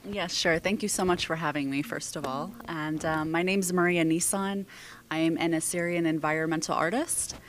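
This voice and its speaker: American woman, slightly low-pitched voice. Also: fairly bright tone. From California, United States. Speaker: guest artist. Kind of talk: on-camera interview answers. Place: large indoor exhibition room. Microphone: handheld microphone.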